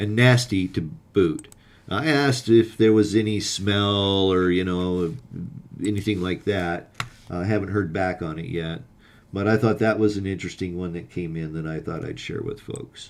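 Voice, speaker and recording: An ordinary speaking voice moves along at a moderate pace, its pitch varying in an ordinary way. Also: man, fairly low pitch for a man. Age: 60s. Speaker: RV YouTuber answering viewer questions. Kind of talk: live stream Q&A. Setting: live stream. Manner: casual, many fillers.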